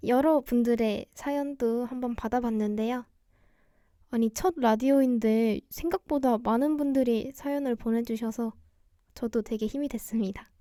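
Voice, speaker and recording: Soft-spoken young woman DJ, mellow voice. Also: a little high, no echo, studio quality. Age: young adult. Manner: soft, gentle, quiet-spoken. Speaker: radio DJ host, idol singer livestreaming. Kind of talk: cozy radio-show style livestream chat.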